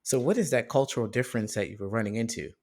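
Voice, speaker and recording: A man's voice: medium pitch, quick pace, a little mellow. A man hosting a podcast interview, thoughtful and searching for his words, with a joking streak. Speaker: podcast host. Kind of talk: casual interview conversation.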